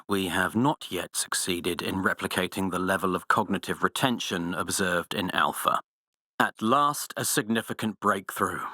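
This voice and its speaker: An actor playing a cold, arrogant villainous scientist in a video game, speaking in a precise, formal, haughty way. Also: male voice, fairly low pitch, pushed and bright, dry recording, clean studio sound, exaggerated voice. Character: cold, arrogant villainous male scientist, menacing and self-assured.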